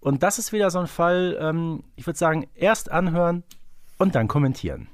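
A man's voice: fairly high pitch, lively intonation, normal speed, no echo, clean studio sound. A man co-hosting a podcast, explaining things casually and reflectively. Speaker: podcast co-host.

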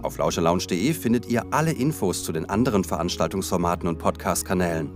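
A man's voice: sits low, fast. A man co-hosting a podcast, reading the scripted outro in an upbeat way. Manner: lively, upbeat announcing. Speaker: podcast co-host. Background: music.

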